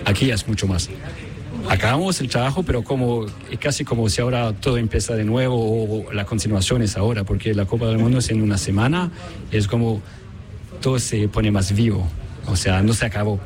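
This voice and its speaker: A man's voice: fairly low pitch, brisk, a little mellow. A man from Chile, a product designer, answering interview questions hesitantly with many fillers and restarts, at a busy event. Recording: crowd chatter behind.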